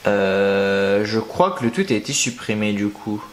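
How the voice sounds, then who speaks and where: A man's voice: lowish voice, measured pace, a little hiss or hum. A young man chatting casually to camera, rambling and slangy, thinking aloud as he searches for things. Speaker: wrestling news youtuber.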